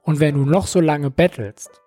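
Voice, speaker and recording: A man's voice: fairly high pitch, moderate pace, dark tone, dry recording, faint music behind, voice pushed up, close to an everyday voice. A man voicing a bumbling young boyfriend with an exaggerated soap-opera delivery. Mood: stubborn.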